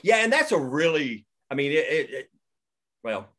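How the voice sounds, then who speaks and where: A man's voice: a little high, big pitch swings, moderate pace, sharp tone. A man hosting a table read discussion, rambling and opinionated as he goes off on tangents over a video call. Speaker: writer and host of the table read. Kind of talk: casual discussion.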